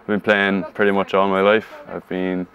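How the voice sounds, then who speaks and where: A young man gives a plain interview as a student athlete. His voice is fairly low and stays flat in pitch. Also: normal speed, narrow, tinny audio. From Wexford, Ireland. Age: young adult. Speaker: student hurler. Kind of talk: interview talk.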